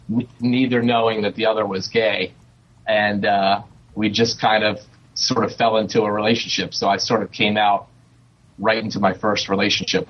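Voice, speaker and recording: Forty-something man, lo-fi and low-pitched. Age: 40s. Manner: chatty, hesitant with many fillers. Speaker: guest. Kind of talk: casual interview chat.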